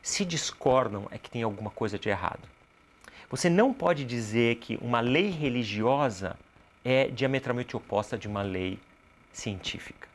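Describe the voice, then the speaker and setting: Interview guest: Brazilian man, mid-pitched, didactic explainer who asks and answers his own questions. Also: animated, moderate pace. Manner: didactic, poses rhetorical questions and answers them. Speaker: interview guest, cultural producer and activist.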